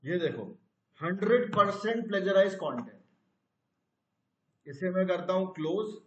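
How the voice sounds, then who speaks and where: A man's voice: high-pitched, lively intonation, a little slow, fairly bright tone, echoey room, dull audio. A man teaching a live online class, explaining step by step and asking his students questions.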